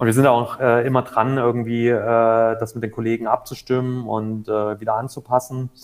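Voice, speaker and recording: Speaking at a medium pitch, a man delivers his words in a flat monotone. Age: 30s. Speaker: graphic designer and lecturer. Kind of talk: casual interview. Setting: remote call. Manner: hesitant, many fillers. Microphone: remote connection audio.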